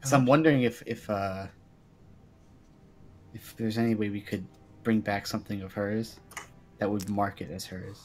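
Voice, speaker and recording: A man's voice: on the low side, fairly even intonation, moderate pace, pauses often, slight background noise, poor audio. A man playing a tabletop roleplay game, chatting casually and thinking aloud in a tentative way. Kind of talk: casual improvised roleplay chat.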